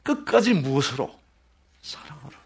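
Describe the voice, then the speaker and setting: Male pastor, Bible study sermon: lively, swooping delivery, quizzes the congregation, then drops to a hush. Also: on the high side, normal speed, vocal fry, slightly rough. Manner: animated, asks the congregation questions and answers them himself; drops to a whisper at times. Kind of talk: sermon-style Bible lesson.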